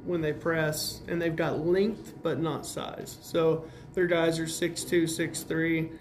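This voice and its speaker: An American man, a high school basketball coach, answering interview questions in plain-spoken, casual terms as he breaks down games. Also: flat delivery, takes it slowly, a little hiss or hum. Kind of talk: interview answers, game analysis.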